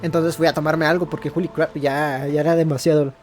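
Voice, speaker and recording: Higher-pitched Mexican man doing gameplay commentary. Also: level tone, quick pace. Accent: Mexican Spanish. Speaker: gaming video creator. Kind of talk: casual gameplay commentary in Spanish. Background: faint game music.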